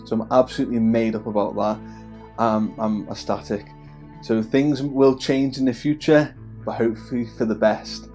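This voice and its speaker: A man's voice: medium pitch, fairly even intonation, normal speed, a little mellow, faint music behind. A man in his thirties from the Wirral, with a Scouse-tinged accent, chatting casually to camera as the host of a hobby channel, friendly, with many fillers and restarts. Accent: Wirral, with a Scouse twang. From the Wirral, England. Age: 30s.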